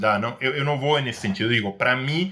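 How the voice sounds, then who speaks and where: A man speaks in an Argentine accent. His pitch shows ordinary variation. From Argentina. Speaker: business executive. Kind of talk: podcast interview. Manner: hesitant, many fillers and repetitions.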